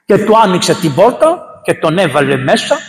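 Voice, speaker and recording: A male priest giving a sermon, telling a saint's story as a lively storyteller with emphatic repetitions. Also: sits high, gravelly. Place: church. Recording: echoey church with long reverb.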